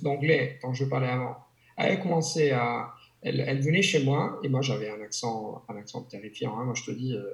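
Gravelly man, roomy echo. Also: medium pitch. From Italy. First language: Italian. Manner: hesitant, frequent restarts and fillers. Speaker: language teacher, guest. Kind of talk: conversational interview.

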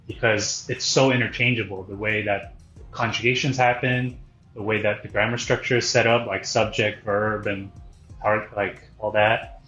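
A man's voice: fairly low pitch, little pitch movement, moderate pace, bright, forceful tone. A man from Korea who moved to the US young, a native Korean speaker, chatting informally as a podcast guest and explaining with examples. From born in Korea, moved to the US young. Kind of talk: casual podcast conversation. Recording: roomy echo, dull lo-fi sound, faint music.

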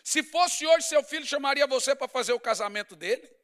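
Man preaching, high voice, bright and sharp tone, middle-aged, animated storytelling sermon. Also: a little fast. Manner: animated, humorous storytelling, swings from loud to hushed. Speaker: pastor.

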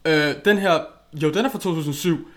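Crude, blunt Danish man co-hosting. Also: on the high side. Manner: crude, blunt, many fillers and restarts. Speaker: podcast co-host reviewing a film. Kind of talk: casual chat.

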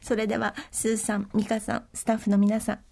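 A woman's voice: on the high side, completely flat delivery, brisk, vocal fry, a little mellow. A middle-aged woman from Akita co-hosting a podcast, chatting casually and reading listener mail in a polished announcer's delivery. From Akita, Japan. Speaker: podcast co-host.

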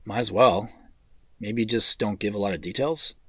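A dry, close recording of a lowish male voice, an actor's, playing a thoughtful executive in an audio drama. He is wry and understated, talking naturally as he reasons through a puzzle. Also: normal speed, a bit bright, husky, no room sound. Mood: relaxed.

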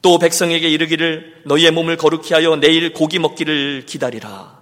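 Male pastor, high voice, sermon, emphatic, echoing church hall. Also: fairly even intonation, brisk, a bit bright. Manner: emphatic, keeps addressing the congregation directly. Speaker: senior pastor. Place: church sanctuary. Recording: long reverb of a large hall.

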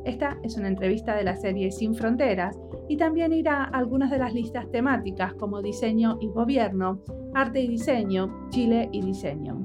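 A woman's voice: a little high, normal speed, music in the background. A woman hosting an interview, speaking in a friendly, conversational way. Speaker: podcast host.

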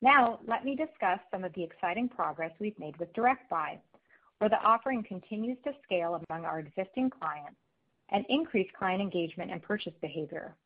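A woman company executive giving a scripted corporate presentation on an earnings call, in a measured, formal read delivery. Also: fairly low pitch. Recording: phone-like conference call line.

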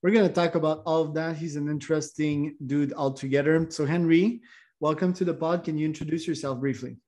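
A male podcast host with a slightly high voice. He welcomes his guest and asks questions in an informal, upbeat way. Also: fairly even intonation, brisk, darkish tone. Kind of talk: casual podcast interview.

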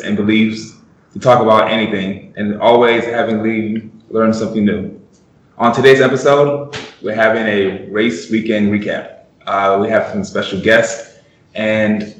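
A man's voice: on the low side, a little hiss or hum. A man hosting a casual podcast among friends, speaking loosely with frequent fillers. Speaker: podcast host. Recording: echoey room.

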